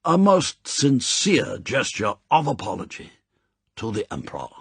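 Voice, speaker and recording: Man performing Japanese spymaster, audiobook character, formal, stately, zealous, animated intonation, husky, very dry close sound. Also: mid-range voice, a little slow, dry recording, exaggerated voice. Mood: solemn, fervent. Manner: formal, stilted, courtly phrasing. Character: proud Japanese spymaster, ceremonious, zealous, sternly gracious.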